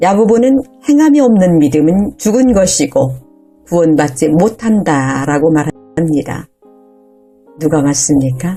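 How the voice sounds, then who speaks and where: Over background music, a woman talks at a very slow pace with long, frequent pauses, her fairly low voice making very wide pitch swings at very even loudness. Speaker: preacher / pastor delivering a sermon. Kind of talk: sermon, preaching to an audience.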